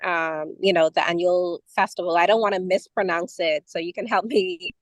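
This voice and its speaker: A woman's voice: lowish voice, fairly even intonation, normal speed, dry recording, poor audio. A woman from the Bahamas, talking casually over a call from a vehicle on the road, with many fillers. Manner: conversational, with frequent fillers. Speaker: community member sharing travel experience. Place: in a moving vehicle.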